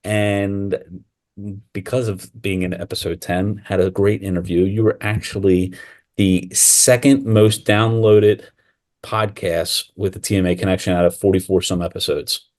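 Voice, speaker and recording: A man's voice: low voice, fairly even intonation, measured pace, a little mellow. A man from Maryland hosting a local podcast, talking casually with many fillers and restarts. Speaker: podcast host.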